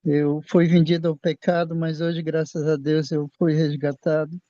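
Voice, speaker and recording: Older Brazilian man giving a halting testimony. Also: on the high side, level tone, dark tone, dry recording. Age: 60s. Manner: halting, repeats and restarts words. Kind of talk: personal faith testimony. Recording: dull lo-fi sound.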